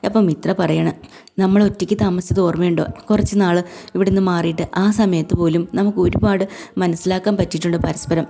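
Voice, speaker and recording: A woman casually retelling a TV serial episode, briskly walking through each scene and who says what. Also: on the low side, fairly even intonation, vocal fry, mellow. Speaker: TV serial recap narrator.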